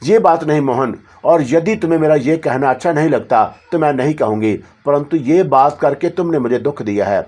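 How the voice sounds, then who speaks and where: A man's voice: fairly high pitch, lively intonation, few pauses. A man voicing a devoted, lovesick young female spirit who speaks tenderly and with longing. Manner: tender, yearning, softly pleading.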